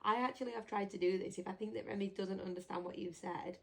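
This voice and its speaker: A woman's voice: mid-range voice, steady tone, fast, gravelly, fairly bright tone. A woman chatting casually as a parent vlogger answering viewer questions, teasing and laughing easily. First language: English. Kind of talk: casual chat.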